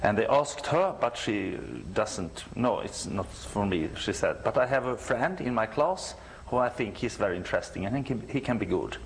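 A middle-aged Swedish man, a church musician, answering interview questions in halting, non-native English with a Swedish accent, often searching for words. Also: lowish voice, expressive, a little hiss or hum, low-quality recording. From Sweden.

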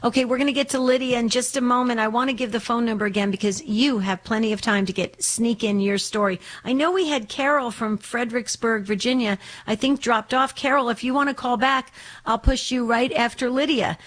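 A woman's voice: fairly high pitch, fairly even intonation, fairly quick, low-quality recording. A woman hosting a religious call-in radio show, speaking enthusiastically and often repeating her words.

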